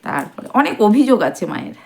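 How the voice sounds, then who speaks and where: A woman's voice: a little high, big pitch swings, fast talker, creaky. A middle-aged woman chatting casually to her viewers at home, teasing and affectionate, talking to camera on a phone. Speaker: vlogger. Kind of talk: casual home vlog chat. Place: at home, bedroom and kitchen.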